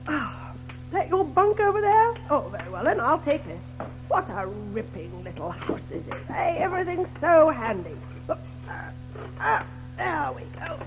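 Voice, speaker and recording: Give the part of a kindly but bossy water rat, a hearty old-chap gentleman from a children's audio play. The voice rides high and swings widely in pitch. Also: sing-song, measured pace, soft background music, heavily acted, rough recording. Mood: sleepy, contented. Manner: chummy, old-fashioned British gentleman phrasing. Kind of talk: children's audio drama acting.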